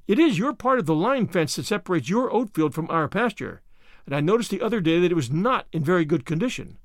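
A man's voice: high-pitched, sing-song, fast talker, dry recording, studio quality. A man voicing a composed, dignified young woman who speaks firmly in an audiobook story. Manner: dignified, firm.

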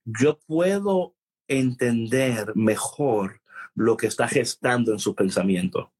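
A man co-hosting a casual Bible discussion, animated and full of restarts, mixing English phrases into his Spanish. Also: mid-range voice, slow pace, slightly rough. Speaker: co-host of a Bible talk show.

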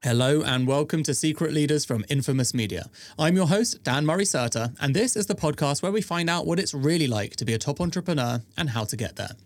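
A man's voice: on the high side, expressive, brisk, dry recording. Podcast host man, dry close sound. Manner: scripted, upbeat intro, then loose conversational questions. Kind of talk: podcast intro and interview questions.

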